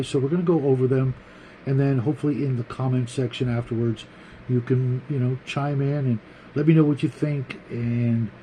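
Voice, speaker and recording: A man with a dark, mellow voice at a middle pitch hosts a casual tabletop gaming show. He talks to viewers in a rambling, halting way, repeating words as he thinks aloud. A faint noise sits behind his voice. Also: low-quality recording.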